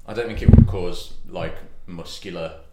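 A man's voice: deep voice, normal speed, heavy background noise. A man co-hosting a casual chat, teasing his friend in bantering talk. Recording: echoey room.

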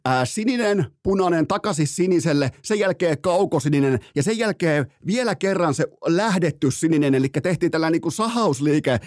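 A man's voice: fairly high pitch, lively intonation, dry recording, clean studio sound. A man hosting a sports podcast, ranting in a theatrical, profane, mock-outraged way and stretching words out for emphasis. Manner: drawn-out emphatic phrasing. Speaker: podcast host. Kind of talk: comic sports rant.

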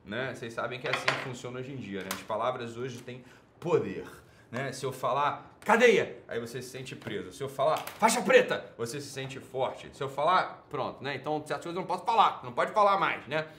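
A man with a Brazilian Portuguese accent, hosting a livestream and ranting sarcastically at his viewers. He swings between low muttering and loud shouting. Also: fairly quick, roomy sound, slight background noise. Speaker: livestream host.

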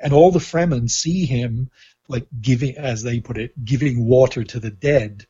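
A man from Canada with a husky voice, talking in an interview in a halting, thoughtful, opinionated way. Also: mid-range voice, dark tone. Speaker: interviewee, film journalist. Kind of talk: reflective interview talk. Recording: dull, lo-fi sound.

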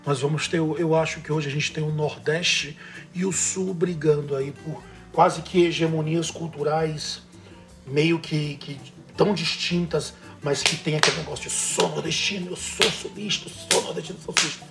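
A man's voice: fairly high pitch, steady tone, normal speed, gravelly, over loud music. A man from Northeast Brazil with a Northeastern Brazilian accent, chatting casually and enthusiastically, sometimes trailing off as he searches for words. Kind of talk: casual chat.

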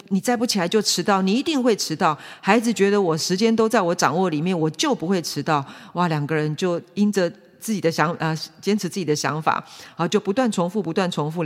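A man gives an earnest storytelling talk on parenting, often pausing on fillers and repeating his points. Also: on the high side. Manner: earnest, with frequent fillers and repetitions. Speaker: parenting speaker. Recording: long hall reverb.

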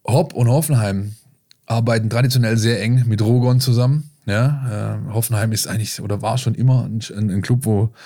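A man's voice: fairly low pitch, steady tone, fairly quick, mellow. A man co-hosting a football podcast, explaining things in a casual, colloquial way. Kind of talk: casual football talk and analysis.

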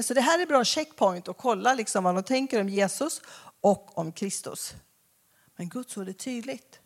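A Christian woman speaks in a lively, expressive way with a slightly high pitch, acting out conversations in her talk by shifting between voices.

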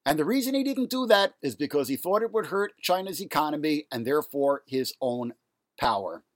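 A man hosts a solo rant from his apartment, his voice raspy and nasal because he is ill and congested. He sounds indignant and fed up, pitched a little high for a man, and the recording is close and dry with no room sound. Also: very animated, a little fast, no room sound. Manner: angry, indignant ranting. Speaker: podcast host. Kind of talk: solo ranting monologue. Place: home apartment.

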